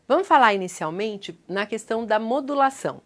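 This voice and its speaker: A woman speaking as a coach, giving a measured, didactic lesson on speech delivery with deliberate pauses. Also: a little high, expressive.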